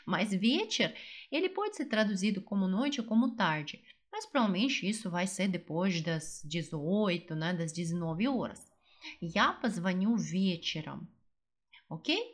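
Woman teaching a language, slow and patient, spells things out step by step. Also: medium pitch, very animated. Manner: patient, explains step by step, slows down for example phrases. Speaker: Russian teacher. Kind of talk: online language lesson.

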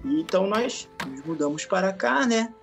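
A man in his late forties with a Rio de Janeiro Brazilian accent, telling his story as a podcast guest in a relaxed way, full of slang and laughter. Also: high-pitched, moderate pace, creaky, soft background music. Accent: Rio de Janeiro Brazilian Portuguese. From Araruama, Rio de Janeiro state, Brazil. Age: 40s. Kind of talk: casual storytelling interview.

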